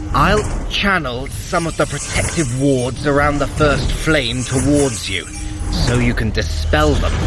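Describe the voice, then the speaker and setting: An actor playing a sly, haughty trickster god of magic in an audio drama, teasing and theatrical. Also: male voice, a little high. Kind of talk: audio drama fitness adventure acting.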